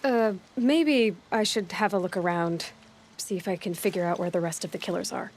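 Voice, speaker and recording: A young actress playing a bold, independent tribal huntress in a video game, speaking in a direct, plain-spoken, slightly wry way. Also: female voice, mid-range voice, normal speed, a little mellow, close to an everyday voice. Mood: wry, decisive. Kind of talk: naturalistic video game acting. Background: music.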